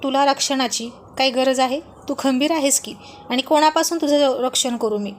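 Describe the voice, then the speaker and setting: A woman's voice: high voice, moderate pace, slight background noise, lightly acted. Woman voicing a grumpy, sulky husband. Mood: irritated. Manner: grumbling, irritated. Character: sulky quick-tempered husband, man.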